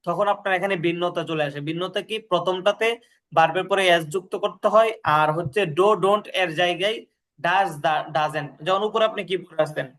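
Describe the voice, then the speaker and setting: A man's voice: sits high, a bit bright. A man tutoring English grammar, patiently repeating drills and checking that the student understands. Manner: reads English sentences slowly, then gives the translation. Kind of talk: explaining grammar in a lesson.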